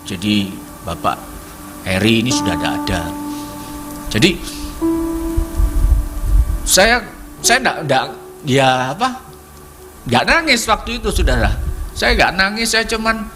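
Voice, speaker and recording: A middle-aged man giving a testimony at a church prayer service, halting and repeating himself as he searches for words. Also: on the high side, sing-song, pushed and bright. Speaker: congregation member giving testimony. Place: church hall. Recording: church service with music playing behind.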